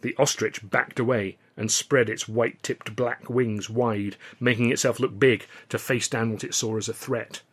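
A man's voice: mid-range voice, fairly even intonation, normal speed, hardly any pauses, husky. A man reading scripted first-person audiobook narration of a novel. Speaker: author reading own novel.

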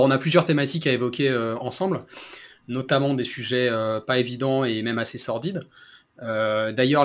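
A man's voice: mid-range voice, fairly bright tone. A man with a French accent hosting an interview podcast, introducing topics and putting questions to his guest.

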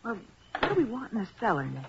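Eager nosy sleuth's sidekick, very lively, muffled old radio show. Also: female voice, medium pitch, quick pace, vocal fry. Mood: eager, puzzled. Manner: expressive, exclamatory. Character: eager, inquisitive female detective's assistant. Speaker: actor. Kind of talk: 1940s radio acting. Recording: muffled, hissy 1940s radio recording.

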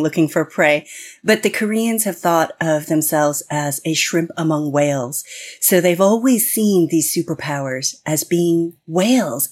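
Woman, American accent, deep voice, slightly husky, earnest explainer, podcast guest. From United States. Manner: earnest and explanatory, with frequent restarts. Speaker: guest expert. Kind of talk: podcast interview.

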